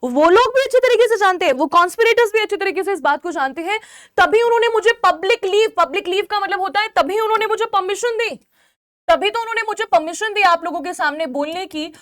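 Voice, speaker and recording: A young woman with a very high voice teaches a literature lesson for exams. She goes through the text line by line, repeating key phrases and checking in with her students. The sound is dry, with no room echo. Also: fast talker, fairly bright tone. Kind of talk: exam-prep literature lesson.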